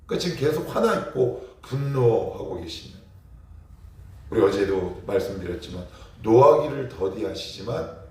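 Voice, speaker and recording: A man's voice: lowish voice, a little mellow. Male pastor, morning sermon, emphatic, rhetorical questions, echoey sanctuary, distant mic. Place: church sanctuary.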